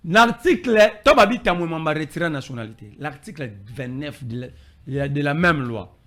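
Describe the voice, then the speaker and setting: Congolese-accented male street commentator, higher register, swinging intonation, argumentative. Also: animated, moderate pace, pushed and bright. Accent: Congolese French. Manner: emphatic, code-switching, argumentative. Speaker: political commentator. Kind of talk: animated street political debate.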